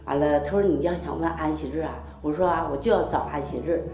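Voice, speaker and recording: Speaking fast in a deep, warm voice, an older woman from the congregation offers a rambling, heartfelt testimony that quotes other people's words throughout. Faint music plays behind her, and the room echoes.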